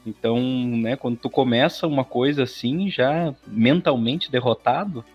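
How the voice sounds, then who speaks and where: A Brazilian man speaks as an interview guest in an informal, conversational style. His voice sits at an ordinary pitch, and he slips into quoted asides as he tells his stories. Faint music plays behind him. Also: moderate pace, slightly rough, dull audio. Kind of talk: casual interview chat.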